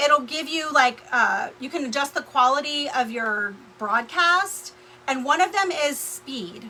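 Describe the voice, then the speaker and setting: A raised, projected voice moves at a very slow pace with lively intonation. Noticeable background noise is present. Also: woman. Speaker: crafting livestream host. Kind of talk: live crafting stream chat.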